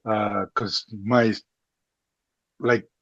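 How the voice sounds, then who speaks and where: A man's voice: on the low side, little pitch movement, drawn-out words, gravelly, fairly bright tone, no room sound. A man whose first language is Spanish calls in and speaks hesitantly, often stopping to search for words. His voice comes through as a dull, dry, lo-fi call-in recording. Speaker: caller.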